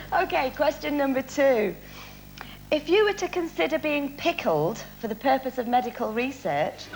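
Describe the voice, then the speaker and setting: With a high pitch and very wide pitch swings, a woman talks at a moderate pace. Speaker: dating show contestant. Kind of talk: game show questions.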